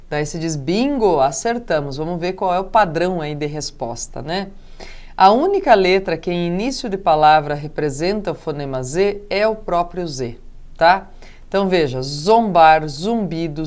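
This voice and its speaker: A woman teacher with a Brazilian Portuguese accent, giving a video lesson and explaining step by step, often checking with her students and drawing out example words. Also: fairly low pitch. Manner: explanatory, frequent tag questions; drawn-out emphasis on example words.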